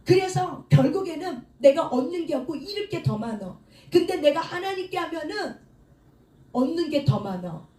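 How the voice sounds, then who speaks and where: A woman pastor preaches a sermon in a high, mellow voice, leading the congregation in call-and-response. She acts out prayers and quotes with rising emotion, sometimes shouting. She is heard from a distance in an echoey hall. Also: lively intonation, normal speed. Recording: echoey room, mic at a distance.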